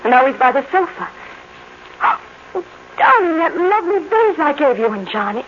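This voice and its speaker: A woman's voice: high voice, big pitch swings, normal speed. An actress playing a solicitous, uneasy neighbor woman in a 1950s radio drama. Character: friendly, uneasy neighbor woman visiting a troubled friend. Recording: muffled, noisy old radio recording.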